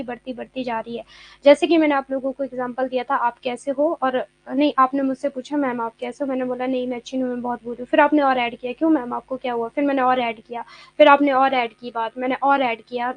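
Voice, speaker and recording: A woman teaching an online exam-prep lecture. She explains by repeating words and reads English notes slowly. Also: high voice, highs cut off.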